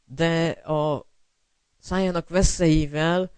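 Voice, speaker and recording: An earnest man preaching a sermon, his voice sitting a little higher than most men's. He pauses often with fillers, speaks straight to his listeners and calls them brother. The sound is dry and close, with no room echo. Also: steady tone, a little mellow, smooth. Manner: tells personal stories to illustrate scripture.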